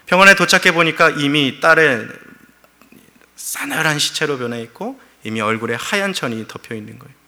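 A man's voice: a little high, lively intonation, moderate pace, bright, forceful tone. A middle-aged man preaching a sermon as pastor, telling a story with feeling and acting out quoted prayers.

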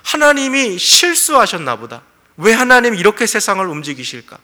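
Self-righteous old guy whining at god, a preacher putting him on, high and pushy, echoey church. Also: fairly quick, sharp tone. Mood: aggrieved. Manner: aggrieved, protesting. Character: indignant righteous old man complaining to God.

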